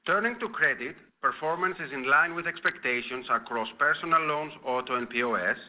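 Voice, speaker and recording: A man working as a finance executive, reading a scripted earnings presentation in a formal, measured manner over a conference call. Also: a little high. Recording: tinny phone-line conference call audio.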